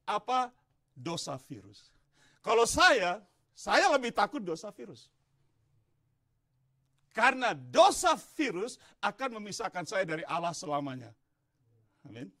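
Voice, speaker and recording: High, bright-voiced animated Indonesian pastor. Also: male voice. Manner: animated preaching with rising shouts and asides to the congregation. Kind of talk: sermon. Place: church.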